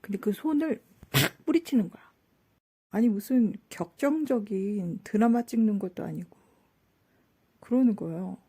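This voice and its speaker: A woman hosting a spiritual talk, telling an anecdote in a casual, animated way, acting out quoted lines and asking the listeners rhetorical questions. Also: medium pitch, normal speed, husky. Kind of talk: casual storytelling lecture.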